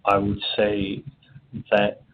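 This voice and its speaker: A man, a company executive, answering analysts' questions on an earnings call, halting with many fillers and restarts. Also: on the low side, completely flat delivery, slight background noise. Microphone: phone. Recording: tinny phone line.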